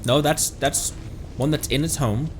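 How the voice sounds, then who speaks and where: A man's voice: fairly high pitch, a little slow, slight background noise. A man giving casual, playful live commentary while he plays a video game, muttering to himself and exclaiming. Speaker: streamer playing a video game. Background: video game music.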